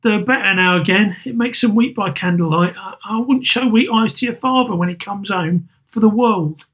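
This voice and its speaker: Tender grieving mother, raised and quiet, husky, narrator puts her on. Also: high voice, moderate pace, voice pushed up. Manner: soft, tender, brave. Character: gentle grieving working-class mother.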